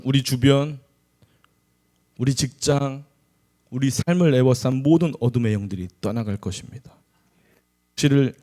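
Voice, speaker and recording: A man's voice: mid-range voice, mellow. A middle-aged man, an associate pastor, preaching a conversational sermon with humorous asides.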